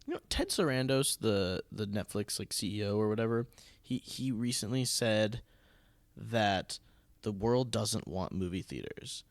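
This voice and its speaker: A man's voice: lowish voice, measured pace, no room sound. A man speaking as a guest in a casual, conversational podcast. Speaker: podcast guest, stage actor.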